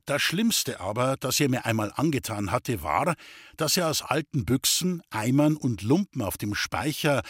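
A man from the Bavarian Forest reading aloud from his own childhood memoir in an even, unhurried storytelling manner. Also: medium pitch, husky, no room sound, clean studio sound. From Bavarian Forest, Germany.

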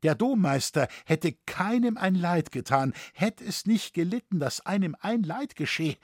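A man's voice: sits high, lively intonation, measured pace, no echo, studio quality. A man reading an audiobook, voicing an innocent young noble daughter who pleads earnestly.

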